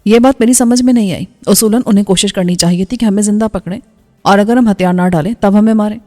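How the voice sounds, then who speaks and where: A woman reading a first-person action novel aloud in steady storytelling narration. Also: mid-range voice. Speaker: audiobook narrator. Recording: slightly dull with faint music.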